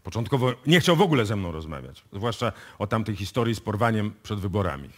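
Shrewd, animated police inspector. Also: male voice, on the low side. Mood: sly, assured. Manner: deliberate, explanatory, authoritative. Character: shrewd, self-assured male police inspector unravelling a case. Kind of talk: live radio play acting.

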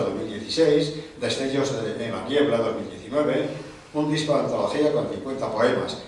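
A middle-aged man at a panel table introducing an author at a book launch. He works through a long biography in measured lists, with small hesitations and restarts. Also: medium pitch, recorded from a distance, a little hiss or hum. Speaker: event host presenting an author. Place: large conference room, seated at a panel table. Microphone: table microphone. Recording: very echoey hall, voice from off-mic.

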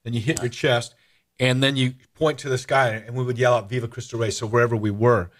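Animated middle-aged male radio host. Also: medium pitch, a little fast. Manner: animated storyteller, many restarts and fillers. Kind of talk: casual radio interview chat.

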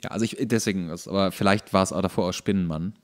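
A man co-hosting a podcast in casual chat, explaining things in a halting, searching way. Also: sits low. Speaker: podcast co-host.

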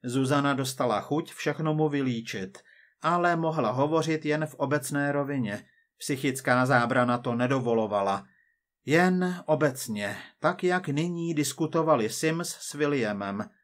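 A man reading a short story aloud in an even, unhurried narrating style. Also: medium pitch. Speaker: reader. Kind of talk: scripted narration.

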